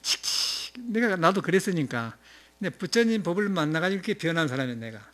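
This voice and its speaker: A male monk speaking with a Jeolla accent delivers an informal sermon in a loose, wandering way. His voice sits a little higher than most men's, and he breaks into chuckles and filler sounds as he talks. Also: lively intonation, fast talker, fairly bright tone. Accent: Jeolla Korean. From Jeolla, South Korea. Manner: rambling, conversational, frequent chuckles and filler sounds. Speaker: Buddhist monk giving a dharma talk.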